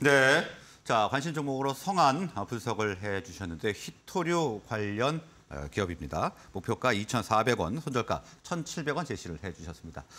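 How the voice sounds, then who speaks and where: This man's voice has a bright, sharp tone and vocal fry. His pitch swings very widely. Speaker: TV stock show anchor. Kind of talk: broadcast moderation. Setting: studio. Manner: formal. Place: studio. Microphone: lapel.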